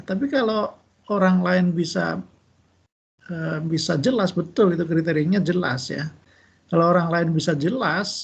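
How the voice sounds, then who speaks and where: Gravelly lecturer on a muffled video call. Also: male voice, high voice. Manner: relaxed, chatty, with many fillers and tag questions. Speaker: university lecturer. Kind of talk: giving feedback in an online class.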